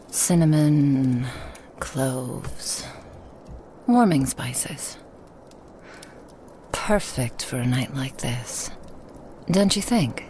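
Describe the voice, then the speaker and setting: A woman playing a lonely, hospitable woman in a remote forest cabin, speaking softly and coaxingly in a half-whisper to the listener. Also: extremely low pitch, a little hiss or hum, full character voice. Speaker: ASMR roleplay performer. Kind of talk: ASMR roleplay, whispered to the listener.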